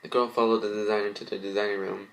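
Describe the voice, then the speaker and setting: Man, low voice, amateur fan fiction narration, halting reading, stumbles on words. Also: flat delivery, gravelly, fairly bright tone.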